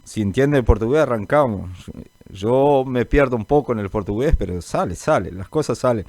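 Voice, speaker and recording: Chatty radio preacher, dry sound. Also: male voice, medium pitch, expressive, normal speed, darkish tone, no echo. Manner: chatty, greets listeners by name, calls them brother; informal, rambling, many fillers. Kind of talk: live call-in gospel radio chat.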